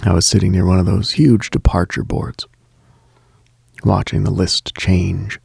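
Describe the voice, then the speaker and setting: Deep gravelly half-whispering man. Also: level tone, measured pace, dry recording, studio quality. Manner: hushed, half-whispered delivery. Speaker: late-night radio host. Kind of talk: slow reflective monologue.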